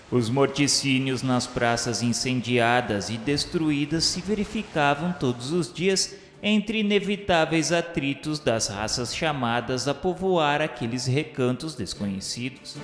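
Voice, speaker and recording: Echoey Brazilian male narrator, solemn delivery. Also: medium pitch. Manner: solemn, formal, measured. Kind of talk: scripted narration of a religious radio novela. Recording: echoey reverberant voice over music. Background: music bed.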